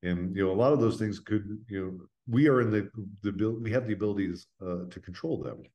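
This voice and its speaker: A man's voice: fairly low pitch, a little fast, lo-fi sound. A middle-aged American man speaking as an interview guest, earnest and plain-spoken, explaining things conversationally and often checking in with "right?". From United States. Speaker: interview guest, veterans' foundation representative.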